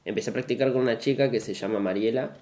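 A man's voice: medium pitch, quick pace, darkish tone. A man talking casually as an interviewee, reflective and a little self-deprecating. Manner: reflective, self-deprecating, uses "súper" and "o sea". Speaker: interviewee, dancer. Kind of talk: casual conversation.

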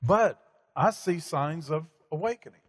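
A man's voice: fairly high pitch, animated, unhurried. A man talking in a preacherly, emphatic way with many fillers. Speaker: guest speaker. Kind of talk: conversational preaching. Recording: hall reverb.

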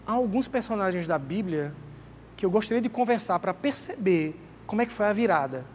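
High-voiced man preaching in an echoing hall. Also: animated, a little fast. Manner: conversational and emphatic, calls out to listeners. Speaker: pastor. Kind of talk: sermon. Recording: long hall reverb, faint background noise.

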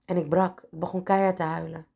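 Gravelly low-voiced woman telling a story. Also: flat delivery, fairly quick, warm tone. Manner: candid, emotional, acts out inner voices. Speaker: podcast host. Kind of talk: personal storytelling monologue.

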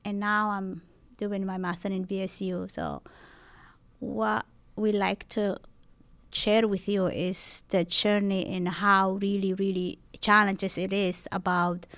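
Flat-voiced woman speaking halting English. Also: medium pitch, dry recording. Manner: halting, non-native English. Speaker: panel speaker, social work student. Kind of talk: panel presentation.

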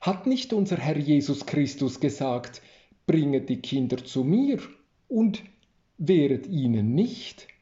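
A man's voice: fairly high pitch, very animated, takes it slowly, mellow. A man reading the lines of an earnest, bewildered young friar in a storybook reading, in a roomy, slightly dull recording.

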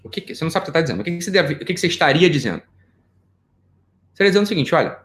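His voice sits a little high and races along as this middle-aged Brazilian man gives a relaxed psychology talk. With a Brazilian Portuguese accent, he's lively and full of jokes and rhetorical questions.

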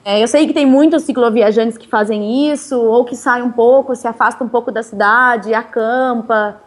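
Woman, casual slang, laughing often, bit high-pitched, interview guest. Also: steady tone, moderate pace. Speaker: interviewee, touring cyclist.

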